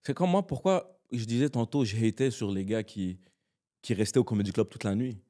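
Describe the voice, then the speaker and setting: Animated man telling stories. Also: lowish voice, brisk. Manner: animated, slangy, mixes in English. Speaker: comedian and actor, podcast guest. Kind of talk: casual storytelling in conversation.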